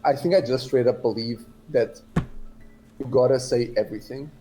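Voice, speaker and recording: A man from Portugal chatting casually as a livestream guest, halting and rambling but blunt in how he talks. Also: mid-range voice, warm tone, soft background music, poor audio.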